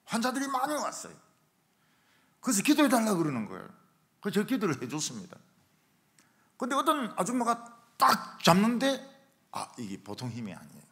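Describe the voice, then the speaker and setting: Animated pastor with a southeastern lilt. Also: male voice, sits high, a little fast, pauses often. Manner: animated storytelling, acts out shouted quotes. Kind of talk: revival sermon. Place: church sanctuary.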